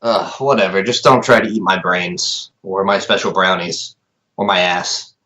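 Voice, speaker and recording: A man playing a grumpy, bossy stoner best friend in a comic horror audio drama, sardonic and quick to scold. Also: sits low, steady tone, sharp tone. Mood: disgusted.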